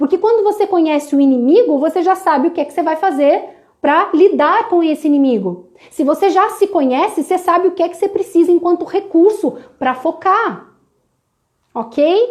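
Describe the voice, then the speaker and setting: A woman with an extremely high pitch, lively intonation and a moderate pace. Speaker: life coach. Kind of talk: live Q&A with viewers.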